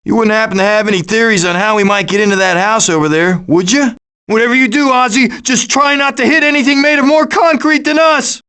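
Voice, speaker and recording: A wisecracking raccoon schemer for an animated video game, in a high-pitched voice. He is cocky and glib, leading his crew of animals with sarcastic quips. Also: fairly quick, clean tone. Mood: urgent, bossy.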